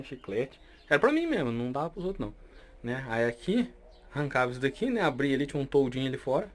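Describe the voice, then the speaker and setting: A young man with a Brazilian Portuguese accent, telling family memories in a chatty way and often ending with a question tag while he walks through an old family house. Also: medium pitch. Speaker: vlogger touring his grandparents' house. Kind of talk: casual nostalgic storytelling.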